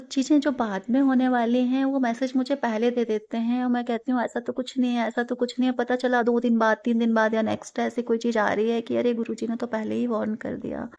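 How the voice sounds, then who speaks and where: Brief: woman, earnest devotional testimony, mellow and level delivery, English words mixed into her Hindi. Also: medium pitch, dull audio. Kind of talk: personal spiritual testimony.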